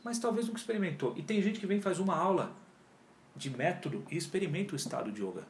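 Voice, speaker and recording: A man tells his story as a guest in a casual interview, and his speech is animated and full of slang. He talks quickly in a slightly raised voice. The recording has a roomy echo around him. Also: high-pitched. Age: 40s. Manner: animated and slangy, often says cara and pô. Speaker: yoga teacher and guest.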